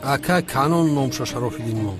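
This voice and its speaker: A man's voice: mid-range voice, over music, natural voice. A man dubbing a wary sidekick who makes doubtful, muttered remarks. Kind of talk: film dub.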